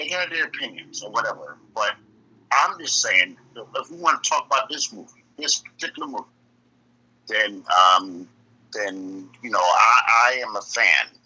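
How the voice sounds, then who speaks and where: At a moderate pace, a man speaks with long, frequent pauses and big swings in loudness. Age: 60s. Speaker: horror film fan. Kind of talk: casual chat. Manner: halting.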